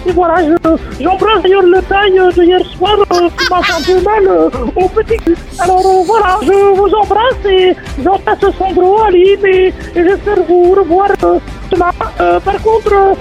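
A man's voice: extremely high pitch, steady tone, soft background music, pitched above the performer's own voice, low-quality recording. A man putting on a voice, playing a male caller who rambles and halts with many fillers. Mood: goofy. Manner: rambling, halting speech full of fillers. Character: Evan, a man calling in with an odd accent.

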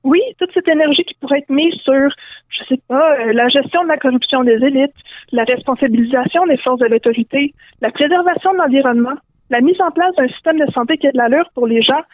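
Earnest rambling sidekick, high voice, as a woman plays him; phone-line sound. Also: a little fast, no room sound, close to an everyday voice.

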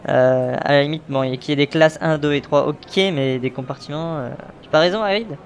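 A man's voice: fairly high pitch, brisk, a little hiss or hum, close to an everyday voice. A man doing a cheeky, sarcastic boy hero.

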